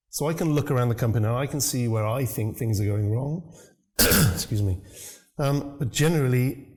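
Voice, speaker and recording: A man, a new parent, answering interview questions about business and communication in a measured, reflective way. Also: mid-range voice, warm tone. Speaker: business consultant guest.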